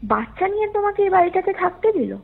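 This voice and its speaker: A woman voicing a worried, probing female neighbour in a ghost story, questioning and halting. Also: very high voice, very animated, gravelly, voice pushed up, heavily acted. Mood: startled, probing. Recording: muffled lo-fi call with music underneath.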